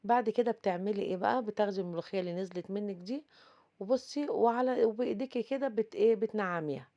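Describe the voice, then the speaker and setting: Egyptian woman cooking host, quick and chatty, low mellow voice, dull lo-fi sound. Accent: Egyptian Arabic. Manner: chatty, addresses viewers directly, frequent fillers. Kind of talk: casual cooking tutorial.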